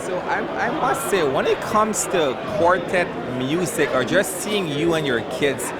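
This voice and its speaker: A man's voice: on the high side, expressive, unhurried. A man working as a red carpet interviewer, chatting in an upbeat, gushing, complimentary way with guests. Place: busy red carpet event. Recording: loud crowd noise at busy event.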